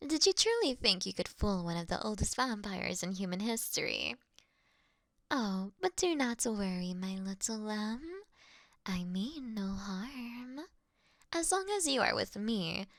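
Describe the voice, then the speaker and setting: A woman acts out an age-old, aristocratic vampire mistress in an intimate audio drama. She speaks slowly and softly, in a breathy near-whisper edged with vocal fry. Her diction is elegant and formal, charming and teasing with a gently commanding temper. The sound is dry and close. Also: mid-range voice, dry recording, full character voice. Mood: dominant, protective.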